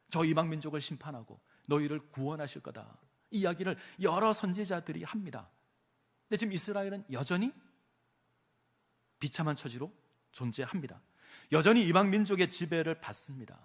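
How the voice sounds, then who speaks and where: A male pastor preaching a sermon, asking the congregation questions and acting out quoted speech with emphasis. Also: a little high. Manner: preaching with rhetorical questions and dramatic quoted voices.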